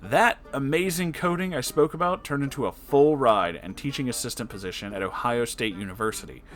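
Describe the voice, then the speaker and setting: A man's voice: mid-range voice, brisk. Male online story reader, mid-range, dramatic yet casual, background music. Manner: expressive, casual, profane. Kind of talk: dramatic story reading with personal reactions. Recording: music behind the voice.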